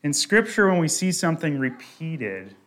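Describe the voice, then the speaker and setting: A man preaching a sermon, working through a Bible passage in a deliberate way and lifting his voice on quoted scripture. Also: a little high, sing-song, a bit bright.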